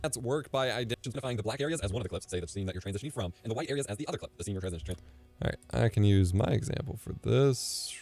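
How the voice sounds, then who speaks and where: A man in his thirties live-streaming from his home setup as he edits video, thinking out loud and muttering asides under his breath. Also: fairly low pitch, lively intonation, racing. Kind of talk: casual live-stream commentary while video editing. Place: home streaming room, indoors. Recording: dry close mic with faint music.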